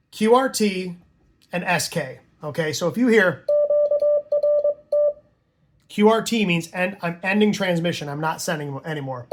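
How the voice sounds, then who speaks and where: A man with a distinctly high-set voice walks through an instructional explanation. His delivery is casual and conversational, like a hobbyist teaching informally, with loose asides along the way. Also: background noise. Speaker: amateur radio instructor and operator.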